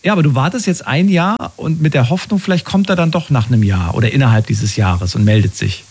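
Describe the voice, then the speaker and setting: Husky-voiced male radio call-in host. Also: fast, a little mellow. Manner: empathetic, coaxing, pitch swings upward on questions. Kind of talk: call-in radio advice talk.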